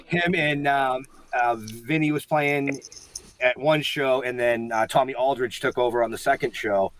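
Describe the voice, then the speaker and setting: A man's voice: medium pitch, no room sound. A man hosting a casual interview, gushing with praise and often restarting his sentences. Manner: effusive, halting with fillers and restarts. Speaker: podcast host.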